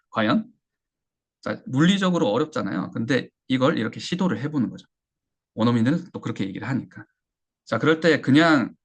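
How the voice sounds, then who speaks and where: A man teaching an English listening lesson, talking haltingly with fillers and slowly drilling phrases. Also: medium pitch, creaky, husky. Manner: halting, with many fillers and restarts.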